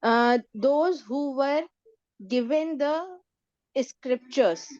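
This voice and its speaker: A woman student whose first language is Urdu, with a South Asian accent, answers her teacher hesitantly and keeps apologizing. Her voice sits a bit high. The video-call audio sounds dull and dry. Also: drawn-out words, a little mellow, no room sound. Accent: South Asian English.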